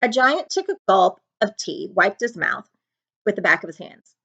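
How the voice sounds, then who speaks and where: A woman reading a children's book aloud as a librarian would, in an expressive narrating style. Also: medium pitch, moderate pace, slightly rough, highs cut off.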